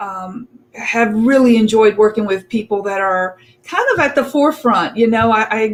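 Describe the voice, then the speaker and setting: At a moderate pace, a woman with a Southern US accent talks in a fairly high pitch. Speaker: e-commerce bookkeeper, author. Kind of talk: interview on a live web show.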